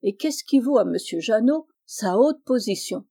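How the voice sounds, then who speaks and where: A woman's voice: fairly high pitch, animated, moderate pace, dark tone, breathy edge. A woman voicing a blunt older male farmer in a storybook reading, speaking frankly and plainly.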